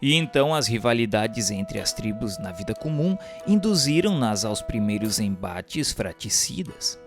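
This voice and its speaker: A man's voice: on the low side, big pitch swings, measured pace. A man with a Brazilian accent reads a scripted narration in a solemn, formal, declamatory way. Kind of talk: scripted narration, audiobook-like reading of a religious history text. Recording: voice over instrumental guitar music. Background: instrumental music with guitar.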